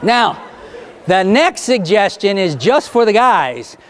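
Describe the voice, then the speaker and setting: A man's voice: high voice, big pitch swings, slow pace, fairly bright tone. A man performing as a stage hypnotist, giving rhythmic, repetitive commands to volunteers in front of a live audience. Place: theater stage before an audience. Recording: live show with audience and noise.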